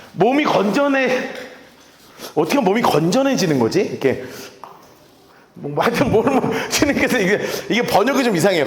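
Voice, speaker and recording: A man preaching a sermon as pastor, playful and animated, acting out little scenes as he teaches. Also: sits high, roomy sound. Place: church.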